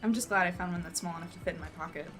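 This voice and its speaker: A woman's voice: lowish voice, rapid-fire, fairly bright tone, faint music behind, close to an everyday voice. A woman playing a reserved young newcomer reporter in an audio drama, polite and hesitant with a dry streak. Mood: relaxed.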